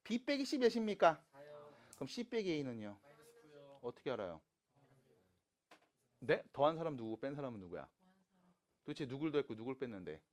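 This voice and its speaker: A man teaching math to high school students in a classroom, casual and teasing, switching between polite and plain speech. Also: sing-song, moderate pace, long pauses. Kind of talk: classroom lecture.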